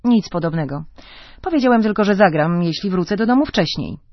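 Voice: mid-range voice, wildly swooping pitch, fairly quick, no echo. A reader voicing a tired, self-satisfied Italian husband who answers with curt, defensive retorts, heard in a slightly dull, dry recording. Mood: brusque.

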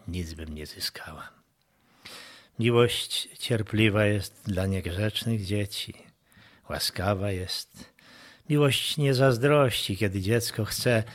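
A man reading a devotional text in a measured way, with some passages dropped to a hush. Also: on the low side.

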